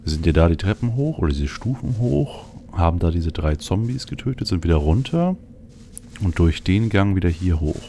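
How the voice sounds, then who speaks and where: A man's voice: deep voice, lively intonation, moderate pace, mellow, slight background noise. A man giving casual video game commentary as a let's play host, thinking aloud as he goes. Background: faint game ambience.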